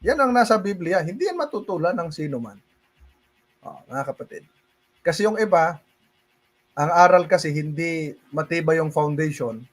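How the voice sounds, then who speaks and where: Filipino pastor guy, high voice, preaching on a stream and mixing in english, chuckles a lot. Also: moderate pace. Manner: mixes Tagalog and English, laughs often, calls listeners brothers and sisters. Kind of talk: livestream sermon with Q&A.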